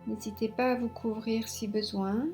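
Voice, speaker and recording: A woman guiding a yoga relaxation meditation as an instructor, giving soothing, unhurried instructions with long pauses. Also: fairly high pitch, level tone. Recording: soft new-age music behind. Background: new-age relaxation music.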